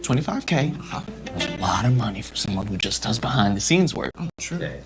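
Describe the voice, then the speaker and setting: A man voicing a cocky young male YouTuber in an animated web cartoon, talking in a smug, dismissive way. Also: fairly low pitch, fairly quick, faint music behind.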